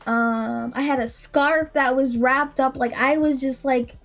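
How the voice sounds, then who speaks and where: A woman in her late twenties with a very high, small voice, telling a story in a casual chat full of laughs and fillers. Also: unhurried, soft background music. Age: late 20s. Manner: animated, laughs often, frequent likes and ums. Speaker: indie game developer and streamer.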